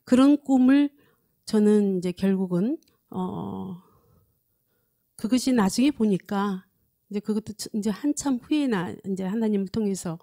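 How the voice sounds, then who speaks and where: A woman in her sixties speaks at a mid pitch with a warm, relaxed tone. She shares a personal testimony earnestly and haltingly, often repeating a phrase before moving on. She holds the microphone close. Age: 60s. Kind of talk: personal testimony at a prayer meeting. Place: indoor studio set, standing at a lectern. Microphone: handheld microphone close to mouth.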